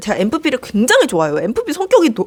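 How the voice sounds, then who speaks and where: Against noticeable background noise, a woman talks at a very fast pace with a high pitch and very wide pitch swings. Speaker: YouTuber. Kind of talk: casual vlog talk. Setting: talking to camera.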